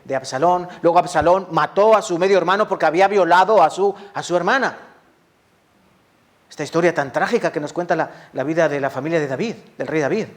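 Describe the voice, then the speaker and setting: A man with a Spanish accent from Spain preaching a sermon as a pastor, passionate, asking the congregation questions and answering them himself. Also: fairly high pitch.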